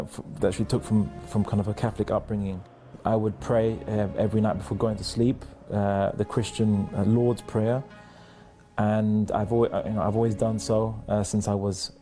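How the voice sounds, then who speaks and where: A young man, talking through his life story in a slow, thoughtful way, stopping often to restart his sentences. His voice sits low and has a gravelly edge. Soft music plays faintly under him. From London, England. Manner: halting, many restarts and fillers, thoughtful. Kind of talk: personal testimony, reflective storytelling.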